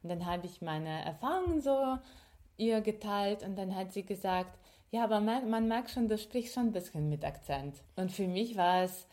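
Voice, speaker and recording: A woman's voice: medium pitch, lively intonation, normal speed, darkish tone. A young woman from Ukraine, co-hosting a podcast in casual conversation, reflective and thinking aloud with fillers and restarts. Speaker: podcast co-host.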